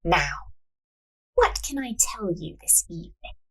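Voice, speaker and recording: Fortune teller for audio drama, played by a woman: calm, soft, measured, authoritative, slightly husky. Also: on the low side, exaggerated voice. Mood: mysterious, measured. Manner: slow, soft, authoritative delivery.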